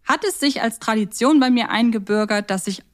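A woman's voice: a little high, fairly quick. A woman co-hosting a podcast in casual, unscripted and rambling chat. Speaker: podcast co-host.

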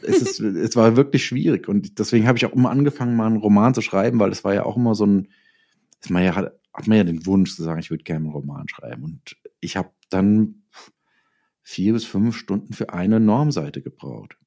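A middle-aged man talks in a relaxed interview setting. His voice sits fairly low and is very mellow and dark. He reflects as he goes, often restarting a phrase to find the right word. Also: a little fast. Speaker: interview guest, novelist and former advertising copywriter.

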